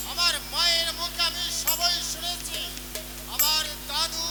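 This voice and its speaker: A stage actor playing a righteous, indignant young royal in a folk drama, declaiming in a hammy, emphatic, halting way. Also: very high voice, heavy background noise. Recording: stage recording under loud music.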